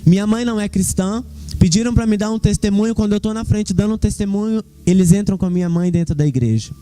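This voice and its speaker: Addressing the congregation as "queridos," a young man gives an impassioned church testimony directly to them. He talks fast in a voice that sits high, its tone dark, clear, and resonant.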